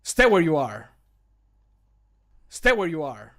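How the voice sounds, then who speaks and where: A man's voice: fairly high pitch, very animated, slow, fairly bright tone, full character voice. A man voicing a stern guard in a game, giving firm, clipped orders. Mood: stern, commanding. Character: stern male guard ordering a criminal to halt.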